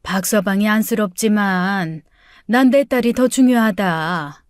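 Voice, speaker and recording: A woman's voice: medium pitch, a little slow, no room sound, studio quality, close to an everyday voice. A woman putting on a blunt older mother. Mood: scolding. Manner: blunt, scolding. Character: older mother urging her daughter to divorce.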